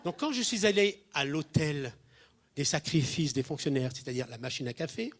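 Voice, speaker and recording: There's slight background noise as a man with a fairly high voice preaches at a moderate pace. He entertains the congregation with comic stories, acting out quoted voices in an animated way, with sudden leaps in loudness.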